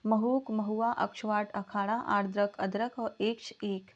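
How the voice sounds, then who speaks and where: A woman teaching Hindi literature in an exam practice lesson, reading out questions and options and then explaining the answers in a measured way. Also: medium pitch, fairly even intonation, dull audio. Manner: signs off warmly asking viewers to comment.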